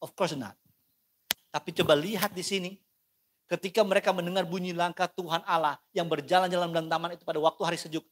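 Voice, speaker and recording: Male pastor, lively playful sermon delivery with a bright, forward tone. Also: sits high, quick pace, slight background noise. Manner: animated, playful, questioning the congregation.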